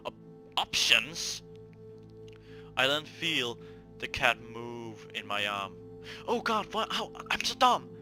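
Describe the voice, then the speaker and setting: Guy doing a visual novel lets play, very bright sharp voice, theatrical reading, music underneath. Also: medium pitch. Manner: theatrical, self-talking, stumbles over read words. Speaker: gaming video host.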